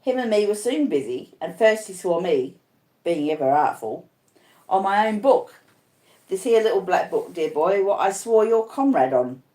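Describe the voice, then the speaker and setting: Woman reading old convict telling his story, rough rustic grammar, confiding, audiobook, roomy echo. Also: medium pitch, very animated, normal speed, mellow, natural voice. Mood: grim, reflective. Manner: rustic uneducated speech, confiding, plain-spoken. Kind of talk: audiobook first-person narration.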